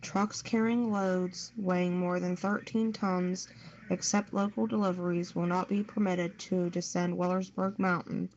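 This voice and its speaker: A woman's voice: lowish voice, little pitch movement, unhurried, darkish tone. A woman co-host reading a news story aloud on a show. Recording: dull, noisy lo-fi stream audio.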